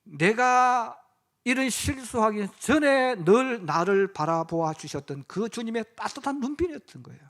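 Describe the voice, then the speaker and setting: A man's voice: very high-pitched, lively intonation, normal speed, a bit bright. A middle-aged man preaching a sermon as pastor, acting out quoted lines in dramatic voices.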